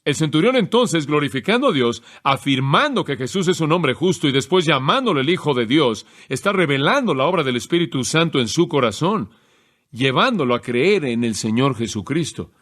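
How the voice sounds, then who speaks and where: A man preaching an expository sermon, explaining a text in a measured teaching manner and slowing down to stress key phrases. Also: on the high side, expressive, fairly bright tone.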